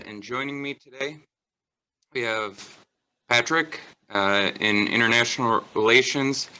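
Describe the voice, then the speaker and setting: A man's voice: on the low side, bright, forceful tone, clear, resonant tone, poor audio. A young man, a master's student, hosting an online question-and-answer session with frequent fillers. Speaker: event host, master's student.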